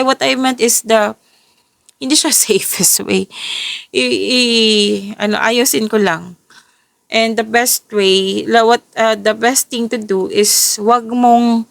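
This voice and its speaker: Tired woman with a gravelly voice. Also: fairly high pitch, dry recording. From Philippines. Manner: self-correcting, restarts and rephrases as she goes. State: tired, voice a little off. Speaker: tarot reader. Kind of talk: casual tarot reading, mixing English and Tagalog.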